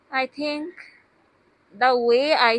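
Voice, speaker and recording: This woman's voice is high-pitched. The recording is dry and close, without any echo. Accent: Bengali. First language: Bengali. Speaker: vlogger. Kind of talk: casual personal vlog. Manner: halting, many fillers.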